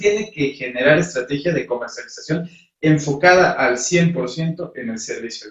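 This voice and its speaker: Ordinary pitch variation shapes a normal speaking voice. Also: man. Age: 20s. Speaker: marketing expert. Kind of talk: interview on marketing.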